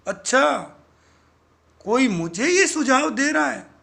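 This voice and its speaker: A man voicing a pompous, bossy alien computer leader in a high, loud voice while teaching. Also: sing-song, racing, creaky, full character voice. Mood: indignant.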